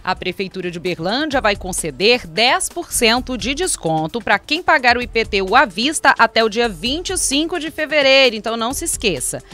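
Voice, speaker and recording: A woman's voice: fairly high pitch, very animated, moderate pace, hardly any pauses, sharp tone, soft background music. A young woman reading a city news bulletin in a small radio studio, adding chatty asides. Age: young adult. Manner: reads from paper with chatty asides. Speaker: news presenter. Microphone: studio mic on desk.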